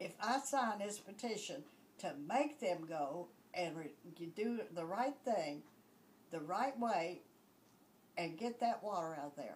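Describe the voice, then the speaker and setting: A woman with an Appalachian accent talks at a very slow pace, with long, frequent pauses. Her medium pitch swings very widely. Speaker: flood survivor. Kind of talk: interview.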